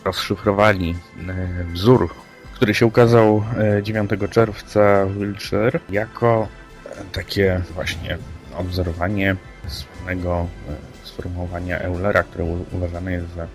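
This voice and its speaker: Male co-host, deep-voiced, conversational and hesitant, over a faint music bed. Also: flat delivery, a little slow. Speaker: podcast co-host. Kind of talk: conversational presentation of news reports. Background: background music.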